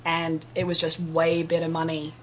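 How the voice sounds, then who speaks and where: A man's voice: on the high side, normal speed, background noise. A young trans man guest, chatting casually in an interview and telling stories with frequent laughter. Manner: laughs often, animated storytelling. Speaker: theatre maker and guest.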